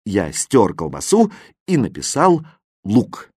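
A man giving expressive first-person storybook narration in a dry, close recording. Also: mid-range voice, normal speed, slightly rough, no echo. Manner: lively first-person telling, voicing a boy. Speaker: audiobook narrator.

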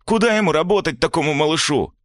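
A man's voice: fast, a bit bright, lightly acted. A man voicing a timid, tearful mother who meekly pleads for her son. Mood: pleading. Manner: weak, pleading, raised pitch.

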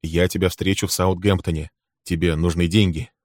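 A man's voice: low voice, fairly even intonation, normal speed, a little mellow, dry recording, clean studio sound, natural voice. A man reading an audiobook, voicing a nervous, scheming swindler who speaks tensely and evasively.

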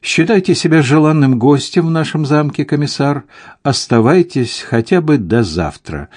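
A man reading the lines of a proud young woman who speaks quickly, firmly and commandingly. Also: on the high side, expressive, a little mellow, no room sound, clean studio sound, pitched above the performer's own voice.

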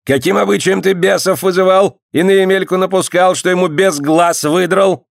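Man voicing a barking, high-pitched stern clerk. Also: fairly even intonation, moderate pace, creaky, no room sound, clean studio sound. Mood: shouting. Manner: commanding, barking questions. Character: stern shouting old-time Russian male clerk. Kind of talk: audiobook character voice.

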